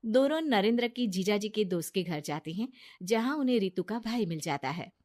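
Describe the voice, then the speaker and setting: A woman narrating a cartoon moral story in a plain, steady storytelling manner. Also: mid-range voice, normal speed.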